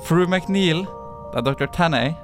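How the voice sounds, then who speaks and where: A man reading the part of a calm doctor. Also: fairly high pitch, over music, voice pushed up, close to an everyday voice.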